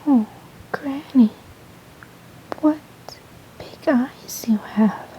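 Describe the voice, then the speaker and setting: A woman softly whispering the lines of a trusting, curious young girl in a fairy tale. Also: high voice, drawn-out words, dull audio, slight background noise. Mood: wondering. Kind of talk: ASMR storybook reading.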